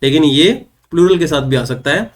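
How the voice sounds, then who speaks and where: A man's voice: fairly high pitch, lively intonation. A young man giving an online exam-prep English lesson, explaining step by step and asking and answering his own questions. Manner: reads English example sentences slowly and clearly. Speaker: English teacher.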